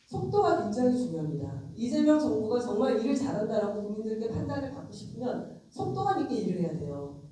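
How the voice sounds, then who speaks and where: A woman's voice: on the high side, wildly swooping pitch, fast, dark tone, slight background noise. A middle-aged woman with a cold, a lawmaker giving a frank, conversational lecture straight to her audience. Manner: frank, emphatic, addresses audience directly. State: has a cold. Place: convention center lecture hall. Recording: very echoey hall, distant mic.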